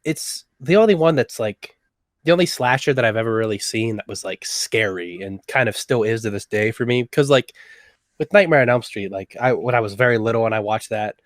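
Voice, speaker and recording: A man's voice: mid-range voice, a little fast, no room sound, studio quality. A young man from West Virginia, chatting as a podcast guest in a rambling, enthusiastic way. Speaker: guest, slasher fan. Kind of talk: casual podcast chat.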